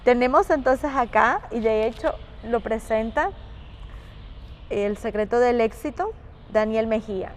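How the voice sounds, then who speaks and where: A woman's voice: fairly high pitch, a little slow, a little hiss or hum. A woman hosting an interview, chatty and affirming toward her guest. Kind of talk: interview conversation.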